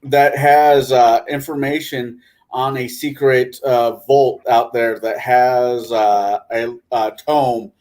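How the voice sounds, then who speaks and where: Male panelist, medium pitch, informal and halting, chatting about tabletop role-playing. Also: steady tone, darkish tone. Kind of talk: casual panel discussion of role-playing games.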